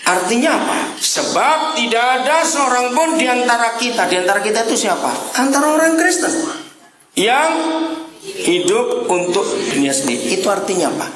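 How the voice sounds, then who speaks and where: A man preaching a lively sermon to a congregation with a slight tinge. He swings from soft asides to loud shouted lines and teases the crowd. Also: high-pitched, brisk, few pauses. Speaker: pastor. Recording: roomy church hall with congregation.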